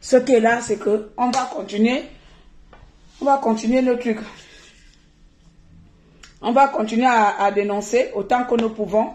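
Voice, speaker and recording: Woman streamer, high-ish voice, animated and indignant, roomy echo. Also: a little slow, long pauses. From Gabon. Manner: animated, laughing often, turning forceful and indignant. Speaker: activist live-streamer. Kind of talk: live stream commentary.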